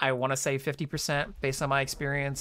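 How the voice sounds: What we hear is a natural reading voice.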